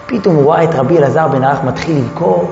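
A man giving a lively Torah lesson, quizzing his listeners with rhetorical questions and joking asides. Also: a little high, slight background noise. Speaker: Torah teacher. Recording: echoey hall, muffled sound.

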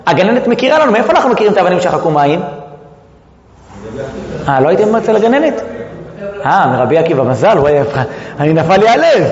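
A man giving a lively Torah lesson, quizzing his listeners with rhetorical questions and joking asides. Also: high voice, pauses often. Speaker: Torah teacher. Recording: echoey hall, muffled sound.

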